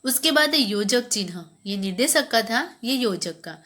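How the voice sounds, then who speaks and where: Lady teacher, kinda high voice, explaining grammar to kids, repeats stuff as questions. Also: lively intonation, normal speed, pushed and bright. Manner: explains, then repeats points as questions to the class; reads textbook passages aloud, then explains them. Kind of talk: Hindi grammar lesson for schoolchildren.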